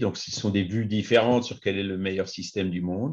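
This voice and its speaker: A man speaks at a fairly low pitch with fairly even intonation against a quiet background. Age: 60s. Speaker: spiritist study group leader. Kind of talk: study group discussion. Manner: halting.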